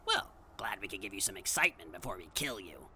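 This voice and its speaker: A woman's voice: extremely low pitch, very animated, quick pace, pushed and bright, slight background noise, full character voice. A woman playing a sardonic, condescending flesh-eating demon in a comedic audio drama. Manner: sarcastic, condescending.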